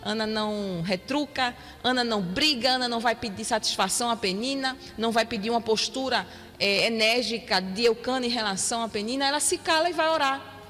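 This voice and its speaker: A woman's voice: on the high side, fairly quick. A Brazilian Portuguese woman preaching a sermon in a church, reflective and repeating her points for emphasis. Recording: long hall reverb with soft music.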